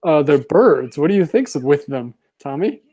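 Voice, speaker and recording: A man with a slightly high but warm, mellow voice chats in a relaxed, wry way and laughs easily. The sound is dry and close, with no room echo. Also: moderate pace. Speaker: podcast co-host. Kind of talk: casual commentary chat.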